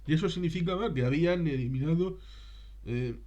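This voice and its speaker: A man presents an unscripted film review in a slightly high, warm voice. His delivery is discursive and halting as he searches for words mid-sentence, and he checks in along the way with short tags and rhetorical questions.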